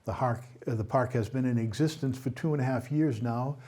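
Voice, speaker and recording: A man's voice: mid-range voice, a little fast, mellow. A man anchoring a weekly local news roundup, reading items evenly and adding small off-script remarks. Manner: reads evenly with small ad-libs.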